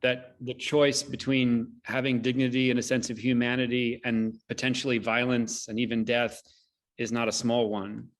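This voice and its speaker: A man's voice: medium pitch, flat delivery, moderate pace. A man moderating a thoughtful discussion over a video call. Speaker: moderator and translator.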